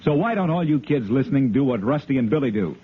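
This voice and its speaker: A man's voice: medium pitch, lively intonation, quick pace, breathy edge. A man announcing a 1950s radio show, reading an ad in an upbeat, persuasive way. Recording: tinny 1950s radio broadcast.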